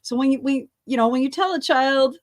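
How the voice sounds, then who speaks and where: A woman's voice: high voice, a little fast, dry recording, clean studio sound. A middle-aged woman co-hosting a casual talk show, speaking candidly, swearing freely and laughing often. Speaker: co-host. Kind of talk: casual chat.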